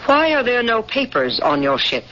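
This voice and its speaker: Cold young female interrogator, bright forceful voice, dogmatic, formal, old radio drama, muffled broadcast. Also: a little high, very animated, moderate pace, a little hiss or hum. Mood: probing. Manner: cold, formal, literal-minded.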